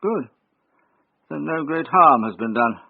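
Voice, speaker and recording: An actor playing a stubborn older country squire who speaks in a blunt, stiff, formal way. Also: male voice, a little high, expressive, a little slow, vocal fry, a little hiss or hum. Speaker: uncle of the bride. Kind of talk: radio drama acting. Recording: thin phone-like radio sound.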